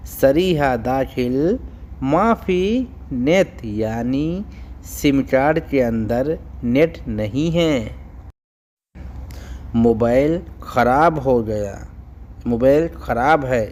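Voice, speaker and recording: A man teaching phrases in a language lesson, saying each one slowly and repeating it. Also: mid-range voice, a little mellow, slight background noise.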